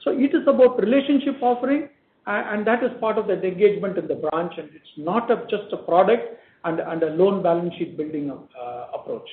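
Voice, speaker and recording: This man has a notably high voice and an Indian accent, speaking as an executive who restarts and repeats his phrases. The sound is echoey and phone-like, with faint noise behind him. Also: animated. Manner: halting, repeats words and phrases. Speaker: bank executive. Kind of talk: earnings call commentary. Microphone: conference call line.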